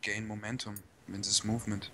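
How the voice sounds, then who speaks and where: A man's voice: fairly low pitch, level tone, brisk, a bit bright, slight background noise. A man who grew up in Germany, introducing himself to a room in a loose, friendly, conversational way. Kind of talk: casual spoken introduction.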